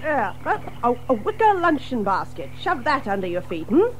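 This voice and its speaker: A woman's voice: high-pitched, sing-song, normal speed, slight background noise. A woman playing a chatty, friendly water rat in a children's audio drama, hearty and exclamatory. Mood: brisk, hearty. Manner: hearty, exclamatory, chuckling and hesitating.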